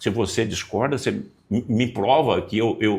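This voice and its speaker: The recording is very clean with a silent background, and the talking keeps a moderate pace. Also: man. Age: 60s. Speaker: politician. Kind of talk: interview. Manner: animated.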